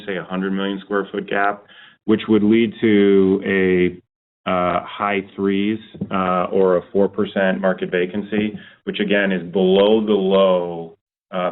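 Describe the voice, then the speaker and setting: A man with a deep voice answers as an executive on a conference call. His delivery is flat and measured, and he comes through a muffled, narrow phone line. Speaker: company executive answering analysts.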